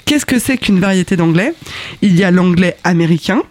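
A man with a high voice hosts an explainer, playful and wry, often breaking into laughs. The sound is close and dry, with no room around it. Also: expressive, a little fast, no room sound. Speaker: host. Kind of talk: explainer video narration.

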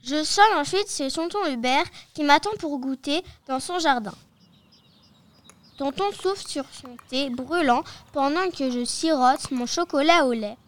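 A woman reading a children's story aloud as its young narrator, lively and expressive. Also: high-pitched, measured pace.

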